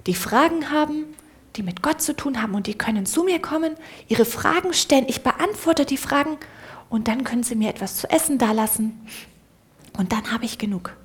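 A woman telling a children's story in church, lively and often dropping to a hushed whisper. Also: high-pitched, brisk.

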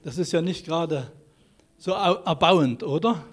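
A man with a slightly high voice preaches in a church, holding a microphone in his hand. He talks in a lively way and keeps throwing questions to the children and the congregation. His tone stays close and direct. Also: a little slow. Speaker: pastor. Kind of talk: children's sermon and sermon. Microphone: handheld microphone.

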